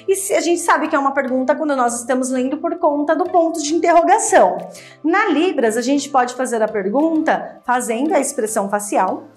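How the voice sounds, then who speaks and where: A woman teaching a video lesson as a sign language teacher, lively and talking the viewer through each step. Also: high voice.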